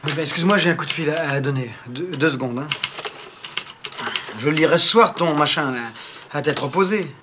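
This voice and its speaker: A man's voice: fairly high pitch, fairly quick, pauses often, background noise, natural voice. An actor playing a likable con man who chatters nervously and evasively in a 1980s television comedy. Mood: flustered. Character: fast-talking likable male con man.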